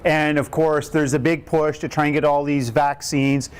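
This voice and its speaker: A cardiac rehab educator in his fifties runs a live Q&A, explaining health matters in plain, upbeat language and often asking the room rhetorical questions. His voice is booming yet pitched a little high, with a flat delivery, a moderate pace and a clean tone.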